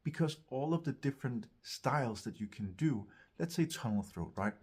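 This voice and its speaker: A man with a husky voice teaching as a vocal coach, speaking in hesitant, searching phrases with emphatic repeats. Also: mid-range voice, lively intonation, normal speed, a little mellow. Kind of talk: instructional talk to camera.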